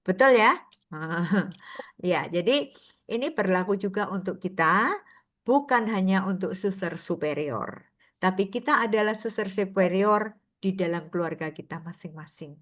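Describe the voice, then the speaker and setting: A woman's voice: medium pitch, animated, unhurried. An older woman giving an informal sermon to a prayer group, chatty and anecdotal, often laughing between stories.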